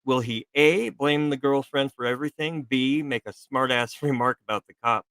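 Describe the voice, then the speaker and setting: A man's voice: mid-range voice, normal speed, fairly bright tone, clean tone, dry recording. A man hosting a live show, giving casual, joking quiz-style commentary on a video. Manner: playful, joking.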